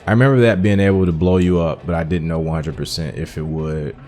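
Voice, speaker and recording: Very deep-voiced man, casual game commentary. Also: steady tone, quick pace, a little mellow. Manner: informal, thinking aloud. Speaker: gaming video host. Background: game music.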